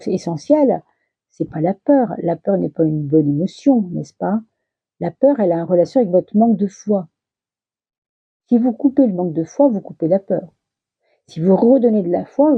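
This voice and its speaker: Woman tarot reader, very husky, gravelly, hesitant, dull dry recording. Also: medium pitch, no echo. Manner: hesitant, many fillers and restarts. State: losing her voice, clears throat. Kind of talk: casual monthly tarot reading.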